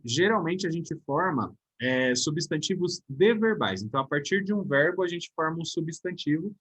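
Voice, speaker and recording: Husky Brazilian man teaching grammar. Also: fairly high pitch, a bit bright. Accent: Brazilian Portuguese. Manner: explains step by step, checks with "né?" and "beleza?". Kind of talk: recorded grammar lesson.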